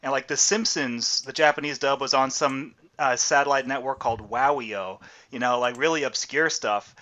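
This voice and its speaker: A man's voice: medium pitch, normal speed, pushed and bright. A man chatting casually as a podcast host, explaining at length and swearing now and then. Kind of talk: casual chat. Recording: muffled lo-fi audio.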